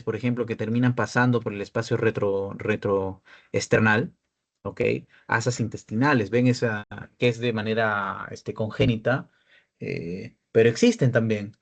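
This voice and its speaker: A young man with a mid-range voice teaches radiology to his peers, explaining cases and regularly checking that listeners are with him.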